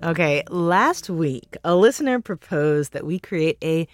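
Lively chatty woman podcast co-host. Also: low voice, measured pace, music in the background. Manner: laughs often, chatty. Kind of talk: casual chat.

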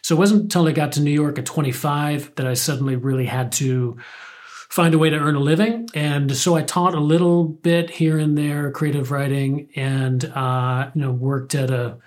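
Thoughtful man with halting speech. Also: on the high side. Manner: thoughtful, hesitant, with restarts. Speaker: guest, playwright and poet. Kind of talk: casual interview chat.

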